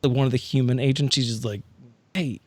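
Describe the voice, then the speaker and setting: A man's voice: medium pitch, steady tone, a little fast, no room sound. A man bantering casually as a player on a tabletop role-play podcast, joking and swearing freely. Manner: profane, joking.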